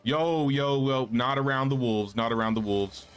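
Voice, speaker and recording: A man streams a game and keeps up an easy, chatty patter, reading out his viewers' messages and replying to them. His voice sits at a middling pitch. Quiet game music hums underneath. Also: moderate pace. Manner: chatty, reads chat and answers viewers. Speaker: gaming streamer. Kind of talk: casual live-stream chat while playing.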